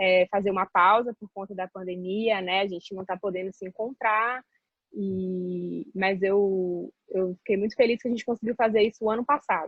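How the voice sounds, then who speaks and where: A woman with a Maranhão accent talks at a moderate pace and medium pitch, with fairly even intonation and big swings in loudness. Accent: Maranhão accent, noticeable. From Brazil, São Luís, Maranhão. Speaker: psychoanalyst. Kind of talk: interview. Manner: hesitant, many fillers.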